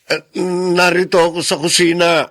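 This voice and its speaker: A man's voice: on the high side, flat delivery, moderate pace, a bit bright. A man with a Filipino accent playing a meek, apologetic disabled father in a radio drama, speaking hesitantly. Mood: apologetic, timid.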